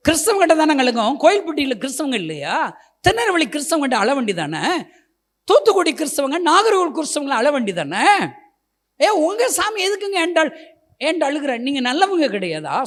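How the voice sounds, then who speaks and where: Impassioned high-voiced preacher, man. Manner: impassioned, swings from soft storytelling to shouted appeals. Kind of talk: revival sermon testimony.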